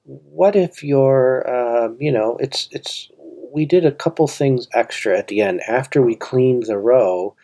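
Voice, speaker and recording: Slow, thinking-aloud male coding tutor. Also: medium pitch, warm tone. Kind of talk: screen-recorded coding walkthrough.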